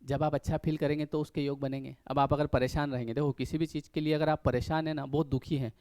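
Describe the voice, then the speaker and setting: This life coach talks quickly in a slightly high voice with a dark tone but a flat delivery, recorded with no echo. His casual motivational talk to viewers is conversational, and he performs little everyday scenes using other voices.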